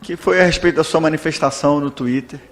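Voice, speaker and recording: A man's voice: a little high, fast talker. A Brazilian Portuguese-speaking man, a legislator, giving a formal, deferential speech in a parliamentary session. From Brazil, born in Salvador.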